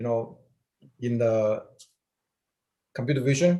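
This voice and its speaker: Speaking with a Chinese accent, a man with a dark, mellow tone uses ordinary pitch variation. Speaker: AI technology executive. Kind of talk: lecture.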